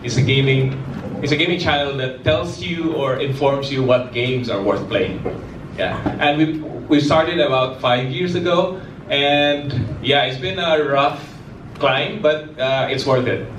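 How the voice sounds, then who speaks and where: A man's voice: medium pitch, measured pace, noisy background. A man from a gaming channel team giving a casual introduction on a panel. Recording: echoey hall from far off.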